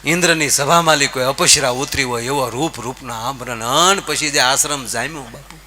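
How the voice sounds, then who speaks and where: A man telling folk comic stories on stage, lively and addressing his listeners directly. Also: medium pitch, moderate pace, a crowd in the background. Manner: lively, animated, addressing audience as "bapu" and "saheb". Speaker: folk comedian storyteller. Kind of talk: stage folk humor storytelling.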